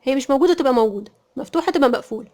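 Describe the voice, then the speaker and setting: A quick-speaking woman with an Egyptian Arabic accent runs through a math lesson. Her voice sits a little high, and she keeps posing questions and answering them herself as she repeats each point. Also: lively intonation, darkish tone. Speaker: math teacher.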